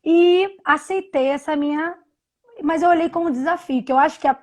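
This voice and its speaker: High-voiced woman in her thirties. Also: a little mellow. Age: 30s. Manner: halting, many restarts and repeated words. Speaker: interview guest. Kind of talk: personal story on a live video call. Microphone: video call from home.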